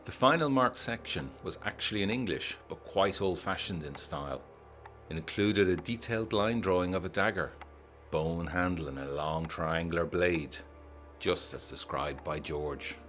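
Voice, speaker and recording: A man narrating a letter in a measured, formal, old-fashioned manner for a gothic audio drama. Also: low-pitched, a bit bright, faint music behind. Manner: measured, formal period storytelling.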